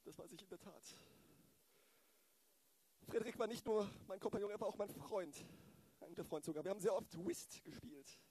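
Man acting a husky, fussy, evasive lawyer. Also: sits high, normal speed, long pauses, dark tone. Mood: evasive, hesitant. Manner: hesitant, rambling, formal, tags sentences with "right?". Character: fussy, evasive male lawyer, mildly self-important. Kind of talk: improvised radio play acting.

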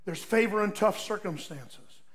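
Preaching with a folksy, anecdotal style, this elderly minister moves a little slowly and pitches his voice high. He alternates between forceful, booming moments and quiet, murmured remarks.

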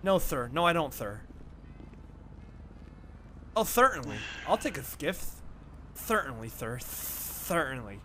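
A man's voice: a little high, very animated, slow, long pauses, bright, forceful tone, slight background noise, heavily acted. A man playing a meek, servile young son in game role-play, politely and repeatedly pleading. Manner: obsequious, repeats polite pleas.

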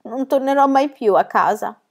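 A woman's voice: sits high, moderate pace, pitched above the performer's own voice. A woman voicing a young, stubborn girl in an audiobook of a children's story. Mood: upset.

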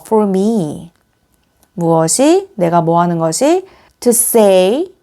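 A woman teacher giving an English grammar lesson, explaining step by step and reading the example sentences slowly and clearly. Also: mid-range voice, darkish tone. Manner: patient, explains step by step with many "자" prompts.

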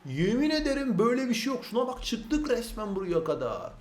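A young man with a Turkish accent talks through a game as its host, chatty and easily excited, his voice sitting high for a man. The sound bounces around a roomy space with clear echo, and he keeps up a loose, casual flow as he plays. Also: fairly quick. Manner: excitable, chatty, says "abi" a lot. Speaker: gaming channel host. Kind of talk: casual gameplay commentary.

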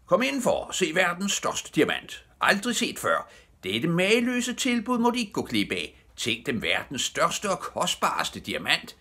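A man doing a loud fairground barker. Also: a little high, huge pitch swings, voice pushed up, full character voice. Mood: hawking.

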